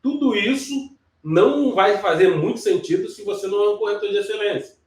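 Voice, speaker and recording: A man with a fairly high voice gives a sales training lesson for real estate agents, walking through each step and stopping often to check that listeners follow. He sits back from the mic, so he sounds a little distant. The room around him is echoey. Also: fairly quick, darkish tone. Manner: explanatory, frequent check-ins like "ok?" and "certo?", some restarts.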